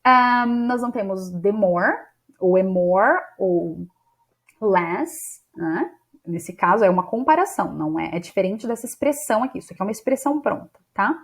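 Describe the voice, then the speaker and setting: A woman from Brazil teaching English grammar in an exam-prep lesson, explaining step by step and reading English sentences aloud slowly. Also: mid-range voice, lively intonation. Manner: explains step by step, often ends with "né?" and "tá?".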